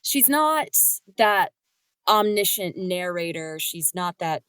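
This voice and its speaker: A woman's voice: lowish voice, animated, slow, a bit bright, clean tone, no room sound. A woman talking casually as a panelist in a podcast discussion. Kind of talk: casual behind-the-scenes discussion.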